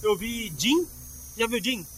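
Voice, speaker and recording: A man's voice: extremely high pitch, animated, slow pace, a bit bright, a little hiss or hum. A man co-hosting a comedy podcast, chatting in a playful, rambling, jokey way. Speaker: podcast co-host. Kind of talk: casual comedic banter.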